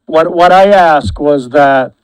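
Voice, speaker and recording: Brief: male commissioner chairing a public meeting, voice sits a bit high, halting repeats. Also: clear, resonant tone, low-quality recording. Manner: halting, repeats words when restarting. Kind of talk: formal meeting procedure. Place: county meeting room.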